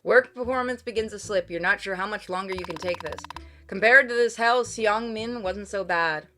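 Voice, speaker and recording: A woman's voice: medium pitch, normal speed, pushed and bright. A woman gaming streamer reading visual novel text aloud and chatting casually as she plays. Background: game music.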